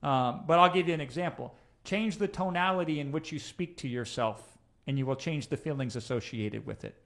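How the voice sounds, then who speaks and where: A man's voice: a little high, a little fast, a bit bright. A man coaching a live audience in a conversational teaching talk, often checking in with "right?" and drifting into asides. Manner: conversational, checks in with "right?", digresses mid-thought. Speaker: coach presenting a live session.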